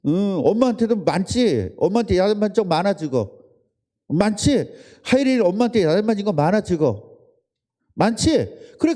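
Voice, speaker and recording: In a church service room, a pastor with a high, dark-toned voice preaches a casual sermon, chatting with and quizzing his congregation and their children.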